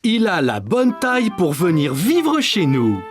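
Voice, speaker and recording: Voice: medium pitch, huge pitch swings, a little slow, over music. An actor playing a kind, reassuring father in a children's cartoon. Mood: fatherly. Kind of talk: cartoon voice acting.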